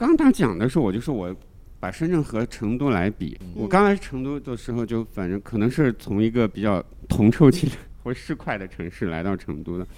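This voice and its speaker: At a moderate pace, a man with a medium pitch and a dark, mellow tone makes very wide pitch swings. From northwest China. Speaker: audience member at live recording. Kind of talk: casual group discussion.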